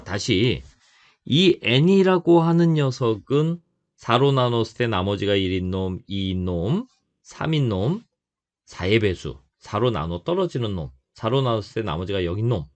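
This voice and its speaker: A man teaching a math lesson, repeating key phrases and checking in with his students as he writes. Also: medium pitch. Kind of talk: whiteboard math lecture.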